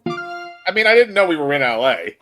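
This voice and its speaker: A man's voice: on the high side, very animated, moderate pace, pushed and bright. A man co-hosting a gaming session, chatting casually and reacting with jokes and loose swearing. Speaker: gaming co-host reacting to the game. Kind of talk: casual chat. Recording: music playing behind the voice.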